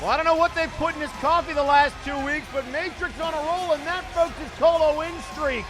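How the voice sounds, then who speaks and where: A man doing dramatic, excitable play-by-play as a wrestling commentator, with a crowd behind him. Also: very high-pitched, fast, music in the background. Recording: loud crowd noise behind voice.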